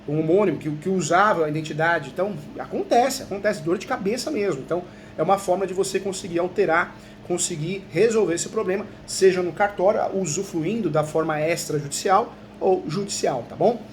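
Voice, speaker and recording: A Brazilian man, a law professor, giving a conversational video lesson and often tagging his sentences with quick questions to the viewer. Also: sits high, slight background noise. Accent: Brazilian Portuguese. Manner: chatty, peppers talk with tag questions.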